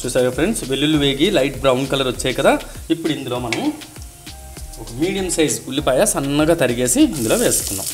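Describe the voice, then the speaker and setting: A man's voice: mid-range voice, fast talker, faint music behind. A man narrating a cooking recipe step by step, addressing viewers directly in an instructional way. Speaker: host of a cooking channel.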